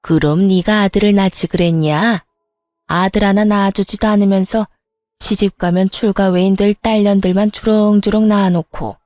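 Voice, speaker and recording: A woman's voice: mid-range voice, steady tone, normal speed, darkish tone, dry recording, faint music behind, close to an everyday voice. Woman acting a stern, scornful elderly matriarch. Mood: scornful, scolding. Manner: cold, commanding, scolding. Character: stern, scornful elderly mother-in-law, domineering family matriarch.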